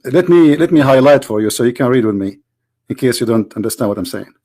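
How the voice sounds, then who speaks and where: Man, tired voice, video host, hesitant, filler-heavy, middle pitch, dry close sound. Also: animated, fast, mellow, no room sound. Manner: hesitant, many filler sounds and throat clearing. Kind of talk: casual commentary to camera.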